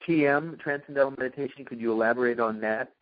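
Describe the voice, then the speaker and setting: A man's voice: mid-range voice, quick pace, no echo. Male interviewer on a muffled call. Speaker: interviewer reading submitted questions. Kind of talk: informal interview questioning. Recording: dry, muffled conference call line.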